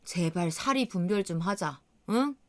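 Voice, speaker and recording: An exasperated young husband in a radio drama, voiced by a woman reading the story. He argues in an insistent, lecturing way with a lively, rising and falling pitch. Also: measured pace.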